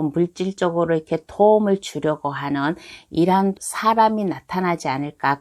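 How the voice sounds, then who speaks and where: Low-voiced Korean woman reading tarot. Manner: slow, reassuring, repeats phrases and hedging endings. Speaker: tarot reader. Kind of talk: tarot card reading for viewers.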